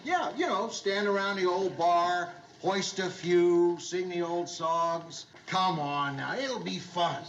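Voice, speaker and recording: A gruff, middle-aged male bar owner who is trying far too hard to be lovable. His voice sits high for a man, and he bellows hearty, repeated greetings. It sounds like the noisy soundtrack of an old TV sitcom. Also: slow, few pauses, a bit bright, lo-fi sound, exaggerated voice. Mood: forced cheer. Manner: hearty, pushy host banter, repeats himself. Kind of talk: 1970s sitcom acting.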